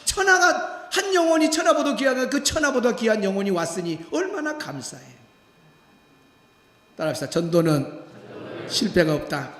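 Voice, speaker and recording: A man preaching as pastor speaks at a moderate pace in a very high voice, his sermon echoing through the church hall. He tells stories animatedly, acting out each quoted voice.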